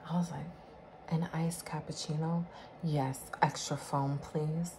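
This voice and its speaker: A woman speaks softly in a very deep, low pitch. Noticeable background noise sits behind her voice. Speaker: ASMR creator. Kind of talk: soft spoken ASMR chat. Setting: home video, self-recorded. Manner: soft-spoken, casual. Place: home room. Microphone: phone near.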